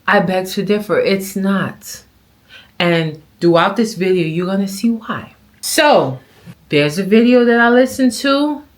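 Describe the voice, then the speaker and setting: A middle-aged woman talks straight to her viewers in a casual vlog. She comments on clips in an animated way and acts out the people in her stories. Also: mid-range voice, a little slow. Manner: animated storytelling with acted quotes. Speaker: vlogger.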